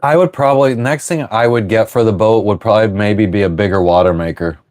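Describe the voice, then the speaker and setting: A man hosting a casual livestream from his sailboat, reading viewer comments aloud and rambling through relaxed answers. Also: on the low side, a little fast. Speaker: livestream host answering chat. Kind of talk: casual live chat. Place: on board a sailboat.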